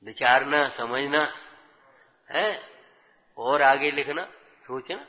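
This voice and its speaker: Speaking slowly in a medium-pitched voice, a man teaches from scripture, exhorting the audience and using rhetorical questions to check they follow. The sound is muffled, low-fidelity and washed in long hall reverb.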